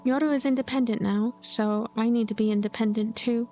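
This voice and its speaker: Female let's player for visual novel narration, higher register, music underneath. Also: steady tone, a little fast, warm tone. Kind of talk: expressive scripted narration. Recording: music behind the voice. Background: game music.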